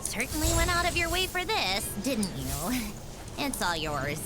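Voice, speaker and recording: A woman's voice: high-pitched, huge pitch swings, a little slow, heavily acted. A woman voicing an aloof, easily bored young female video game character. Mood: weary, haughty. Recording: game audio under loud music. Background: loud game music and combat effects.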